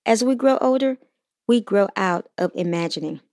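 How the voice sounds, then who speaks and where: A woman hosting a Christian motivational podcast, reading scripture and encouraging listeners in an earnest, steady way. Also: medium pitch, normal speed, dry recording, clean studio sound. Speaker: podcast host.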